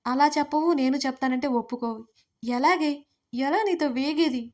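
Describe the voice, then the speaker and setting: A bossy, exasperated young woman scolding a weepy friend, as a woman reads her lines. Her voice sits high and brisk, full of impatience. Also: natural voice.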